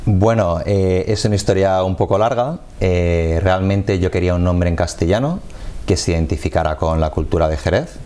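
A man, a football coach explaining his sport in a measured way during a TV studio interview on a lapel mic. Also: sits low, mellow, smooth. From Madrid, Spain. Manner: measured, explanatory, gestures with hands.

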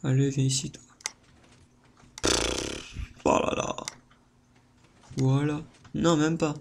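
A man narrates his own gameplay in a playful, theatrical way, often repeating words and yelping into high outbursts. He talks at an unhurried pace between the bursts. Faint keyboard typing sits behind his voice. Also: level tone, creaky, noisy background. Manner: playful theatrical exclaiming, addresses viewers. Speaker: gaming video host. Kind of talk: let's-play gameplay commentary.

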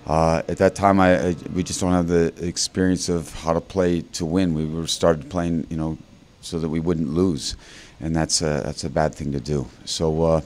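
A man in his fifties, a head coach in a postgame interview, talking haltingly with many fillers and restarts into a handheld mic. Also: extremely low pitch, level tone, darkish tone. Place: indoor interview backdrop. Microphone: handheld mic held by interviewer.

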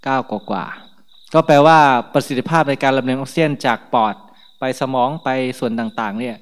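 A male monk gives an easygoing morning sermon in a conversational tone and laughs lightly between remarks. His mid-pitched voice rings out with a long hall reverb. He sounds unhurried and informal, like he is talking with his listeners. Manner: chatty and relaxed, laughs often between remarks. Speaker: Buddhist monk.

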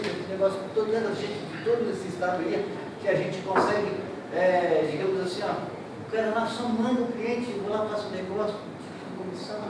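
A middle-aged man from southern Brazil gives an emotional, repetitive speech at a ceremony, speaking from the heart and gesturing broadly. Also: high voice. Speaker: real estate broker giving a speech. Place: large indoor hall. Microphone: distant room mic. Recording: echoey hall, distant mic, noisy.

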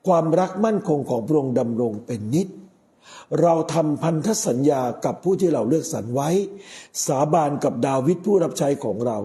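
Casting: middle-aged male priest, very dark mellow tone, unhurried sermon delivery with pauses. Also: fairly high pitch, animated. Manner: measured, with frequent pauses. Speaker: Catholic priest.

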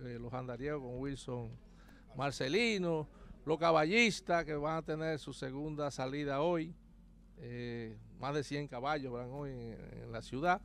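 A man's voice: a little high, fairly bright tone. A Dominican man in his sixties, a guest on an outdoor morning TV panel, talking proudly and emphatically into a handheld mic. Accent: Dominican Spanish. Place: outdoor street set with murals.

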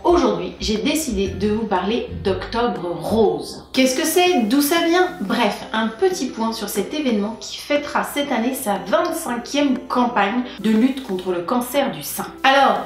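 A young woman hosting a breastfeeding channel, explaining a topic in an informative vlog with playful asides. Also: a little high. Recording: echoey room with faint music.

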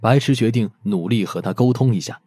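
A man narrating an audiobook story in an expressive, scripted storytelling style. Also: fairly low pitch, fairly quick, slightly rough, no echo. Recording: music behind the voice.

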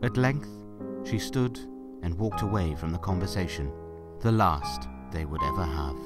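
A man's voice: low-pitched, normal speed, loud music behind the voice. A man narrating a scripted story for an audio drama.

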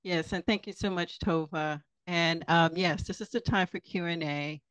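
A woman moderates an online question session and gives privacy notes in a clear, procedural voice. The sound is dry and close, with no room in it. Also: on the low side, steady tone, moderate pace, a bit bright, dry recording. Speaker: event moderator. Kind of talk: reading announcements. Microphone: video call.

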